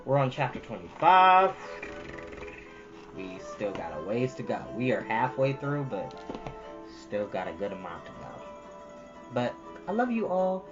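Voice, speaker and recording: A woman's voice: rumbling low, muffled recording. A woman hosting storytime, reading expressively and chatting casually to listeners. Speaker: storytime host and reader.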